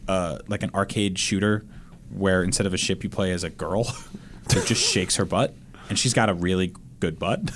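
A man's voice: deep voice, expressive, moderate pace, slight background noise. A man hosting a podcast, chatting casually with a group. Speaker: podcast host.

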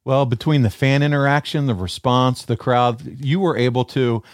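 An upbeat man hosts a conversational interview podcast. His voice sits at a middle pitch and is recorded very dry, with encouraging delivery. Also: normal speed, dry recording. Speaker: podcast host.

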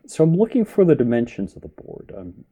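A man's voice: fairly high pitch, sing-song, a little fast, slightly rough, phone-quality sound. A man co-hosting a casual tech chat, thinking aloud and hesitant while he looks things up.

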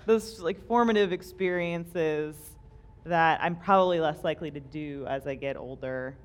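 A woman's voice: deep voice, normal speed, clean tone. A woman in her thirties co-hosting a live podcast, chatting in a loose, self-deprecating way with many fillers. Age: 30s. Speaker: podcast co-host. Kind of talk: casual chat before a live audience.

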